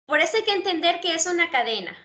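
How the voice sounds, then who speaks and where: High, bright-voiced woman lecturing. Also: very animated, fast talker. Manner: explanatory, checks understanding, frequent fillers. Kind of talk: explaining theory in an online class.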